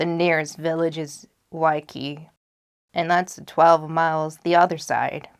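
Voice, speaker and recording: On a very clean recording with a silent background, a woman uses a put-on character voice that is gruff and growling, fairly low in pitch, monotone and flat in intonation, and fairly slow in pace. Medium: read story. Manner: sulky, curt, muttering.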